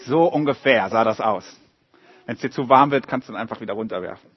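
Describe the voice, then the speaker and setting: A man reading a story aloud to a group of children and drawing pictures along with it, in a lively, animated way. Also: mid-range voice, a little fast, breathy edge, lo-fi sound.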